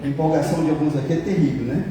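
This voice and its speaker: Speaking very fast in a fairly high, dark-toned voice, this Brazilian-accented pastor delivers a sermon, trading jokes with the congregation and performing the lines he quotes. The church hall echoes heavily and the microphone is distant.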